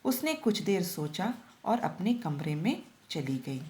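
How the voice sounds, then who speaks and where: A woman's voice: on the low side, big pitch swings, unhurried, darkish tone. A woman school teacher giving a recorded Hindi lesson to children, reading a story and explaining each line and word. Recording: echoey room.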